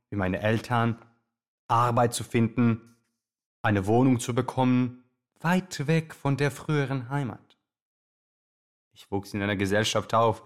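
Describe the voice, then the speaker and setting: A man performs a reflective male radio host in a scripted radio monologue. His delivery is slow and deliberate, with a medium pitch and measured rhetorical build. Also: close to an everyday voice. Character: reflective radio host recalling his Balkan immigrant upbringing. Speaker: radio show presenter.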